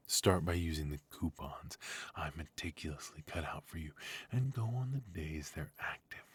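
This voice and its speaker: A man playing a smug, fussy retired supervillain husband in an intimate comedic ASMR roleplay, with a husky, mock-sinister delivery. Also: a bass voice, fairly bright tone, heavily acted. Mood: smug scolding.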